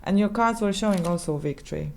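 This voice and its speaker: A woman with a Polish accent, a native Polish speaker, giving a casual tarot reading in halting English with many restarts. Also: mid-range voice, gravelly, a little mellow, soft background music. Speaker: tarot reader.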